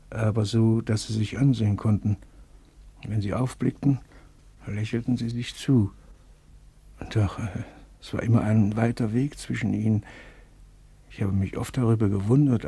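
An actor playing a broken, gentle camp survivor in a radio drama, speaking haltingly in a rough voice. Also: male voice, lowish voice, dry recording. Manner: hesitant, halting, faltering.

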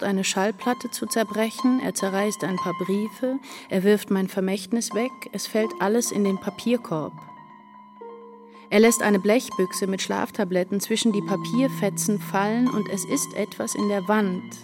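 An actress playing an anguished woman writer narrating her despair in a deliberate, intense literary radio drama monologue. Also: medium pitch, steady tone, music in the background, natural voice. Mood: bleak, haunted. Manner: deliberate, intense, incantatory short phrases.

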